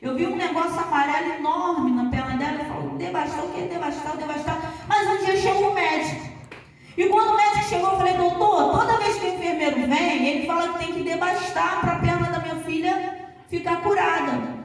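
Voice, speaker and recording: High-voiced woman preaching in an echoey church. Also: a little fast. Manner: conversational storytelling preaching, addresses listeners by name. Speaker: pastor. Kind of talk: sermon. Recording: echoey church hall, distant mic.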